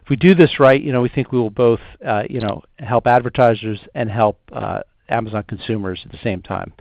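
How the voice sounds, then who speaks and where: A man answering analysts on an earnings call as a finance executive, in a halting, measured way. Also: medium pitch, gravelly, dry recording. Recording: muffled conference call audio.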